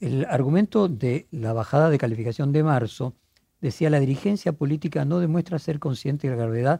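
A man speaks at a fairly quick pace in a fairly high pitch with a dark, mellow tone and a somewhat breathy quality, the sound dry and close with no echo. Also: quiet background. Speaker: journalist. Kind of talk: interview.

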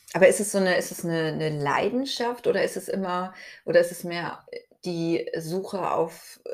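This is a woman speaking. Her pitch is fairly low. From Schwerin, northeastern Germany. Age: 30s. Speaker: podcast co-host. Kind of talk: casual chat. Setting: at home, kitchen table.

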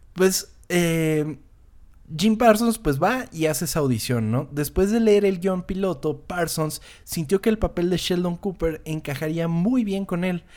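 Here a man speaks with a Mexican accent at a fairly slow pace. His pitch is high, with ordinary variation. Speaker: podcast host. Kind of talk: casual chat; scripted narration.

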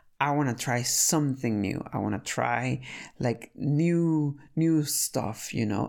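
A woman with a Spanish accent speaks at a very deep, low pitch over a silent background in a very clean recording. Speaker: podcast host. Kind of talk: solo podcast monologue.

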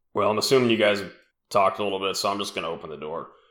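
A man's put-on character voice, raspy and fairly low in pitch, at a very fast pace. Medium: actual play. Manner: casual, blunt.

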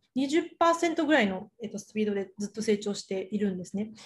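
A woman's somewhat breathy voice with lively intonation. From Japan, born in China. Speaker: venture capitalist. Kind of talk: interview.

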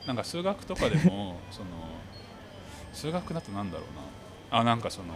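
A man with a medium pitch talks at a moderate pace, leaving long, frequent pauses. His pitch swings very widely and his loudness shifts in big swings. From Niigata, Japan. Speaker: philosopher. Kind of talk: interview.

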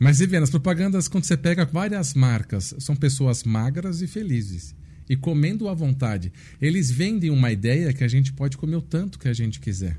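This man's fairly high voice has a dark, mellow tone, sounds somewhat breathy, and makes very wide pitch swings. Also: moderate pace. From São Paulo, Brazil. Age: 40s. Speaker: endocrinologist. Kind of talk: interview on health. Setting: studio.

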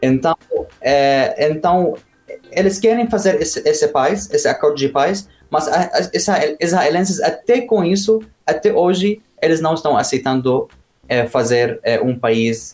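His voice is fairly high in pitch, with lively intonation and very even loudness, coming from a man. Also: fairly slow pace. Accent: Arabic. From Lebanon. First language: Arabic (speaking Portuguese). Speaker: journalist, foreign correspondent. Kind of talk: interview. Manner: halting, many fillers and repetitions.

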